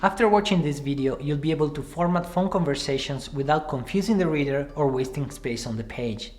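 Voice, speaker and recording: A man in his thirties presenting a scripted screenwriting tutorial to camera from a small room, speaking in a clear, measured way. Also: on the high side, darkish tone. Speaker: screenwriting teacher. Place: small room with cards pinned on the wall.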